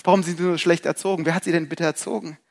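High-voiced man preaching a lively sermon. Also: quick pace, gravelly. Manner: lively, rhetorical questions, acts out quoted thoughts.

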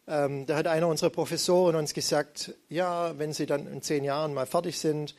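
A man's voice: fairly high pitch, creaky, darkish tone. A middle-aged man preaching a sermon, retelling scripture in a conversational, storytelling manner.

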